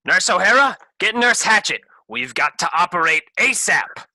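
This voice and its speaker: A man acting as a self-important doctor in a comedy sketch, very bright and forceful, recorded close and dry. He fumbles, then turns grave and bossy with melodramatic weight. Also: sits high, sing-song, moderate pace, dry recording, exaggerated voice. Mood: bossy urgency. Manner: hesitant stammer turning to bossy, melodramatic gravity. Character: flustered, self-important male doctor who operates on scripts. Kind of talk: comedy sketch staged reading.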